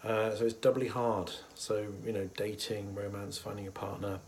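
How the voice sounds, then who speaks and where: A man with a cold and a husky voice, talking casually and thoughtfully to camera about a mental health topic, pausing often with fillers. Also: lowish voice, level tone, a little hiss or hum. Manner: thoughtful, hesitant with many fillers, chuckles softly. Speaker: therapist. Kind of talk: casual educational talk to camera.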